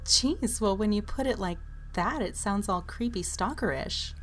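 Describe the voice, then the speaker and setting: An actress playing an intense, defensive and protective young waitress in an audio drama, speaking bluntly and insistently. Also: female voice, medium pitch, a little slow, a bit bright, a little hiss or hum. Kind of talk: animated audio drama acting.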